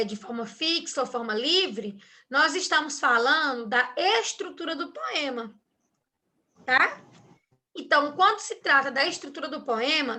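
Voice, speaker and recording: A woman with a Brazilian accent gives an online lesson in an unhurried, patient way. Her voice sits high and sounds bright and clear. She keeps stopping to make sure the class is following her. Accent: Brazilian Portuguese. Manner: patient, checks understanding often. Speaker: teacher.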